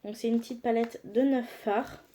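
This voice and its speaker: A young woman chats enthusiastically through a makeup review, stopping often on small fillers. Her voice sits a little high but sounds soft and mellow. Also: steady tone, moderate pace, slight background noise. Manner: chatty, enthusiastic, frequent "euh" fillers. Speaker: beauty vlogger.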